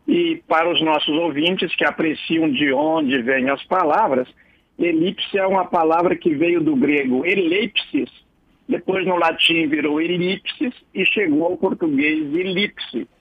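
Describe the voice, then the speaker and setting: A man's voice: on the high side, unhurried, slightly rough. A man giving a casual, digressive radio column as a writer, explaining words with chuckles along the way. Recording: dull lo-fi radio broadcast.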